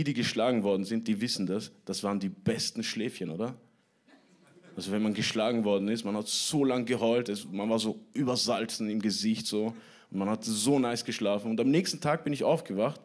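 A young man doing a stand-up comedy set on a club stage, telling an animated story and acting out voices. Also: lowish voice, fairly quick. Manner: animated storytelling, acts out whiny teen voices.

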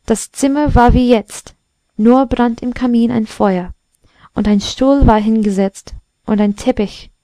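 A woman's voice: on the high side, steady tone, a little slow, warm tone, no echo, close to an everyday voice. A woman voicing a vain old brass candlestick telling a tale in a storybook reading. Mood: proud. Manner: self-important storyteller.

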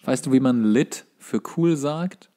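A man's voice: mid-range voice, measured pace, warm tone. A man, co-hosting a comedy podcast with wry, opinionated banter and wordplay. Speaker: podcast co-host. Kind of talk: casual comic banter.

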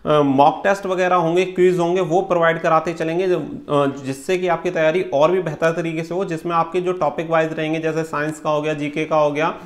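High-pitched man, explaining. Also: fairly even intonation, fairly quick, hardly any pauses. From India. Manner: instructional, mixes in English words. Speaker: exam-prep coach and channel host. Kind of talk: explanatory talk to camera for exam candidates. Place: small room indoors.

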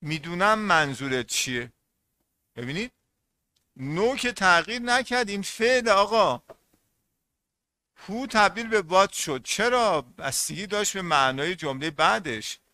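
Man, online teacher, fairly high voice, bright, repeats key points, questions students. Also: animated, no room sound. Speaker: English teacher.

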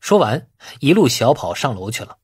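A man with a husky voice narrating a novel in a dramatic, scripted audiobook style. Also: medium pitch, very animated, moderate pace, a little mellow, dry recording, clean studio sound.

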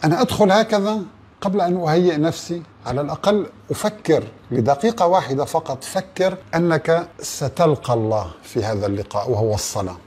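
A man's voice: a little high, animated, fast talker, darkish tone, slightly rough. A man giving a religious talk in an earnest way, asking rhetorical questions and speaking straight to the listener.

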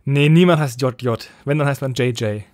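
A man co-hosts a podcast, talking in a casual, conversational way. His mid-range voice has a darkish tone and a moderate pace. The recording is clean studio sound with no room sound.

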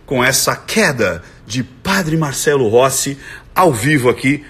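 A Brazilian man giving excited live commentary as a body language analyst, breaking into sudden shouts. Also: mid-range voice, a little slow. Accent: Brazilian Portuguese.

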